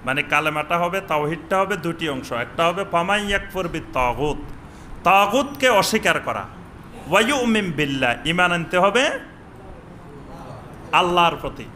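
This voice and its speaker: A man preaching a sermon in a mosque, chanting Arabic phrases slowly and questioning his listeners. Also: sits high, bright, forceful tone, slight background noise. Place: mosque with upper floor and veranda.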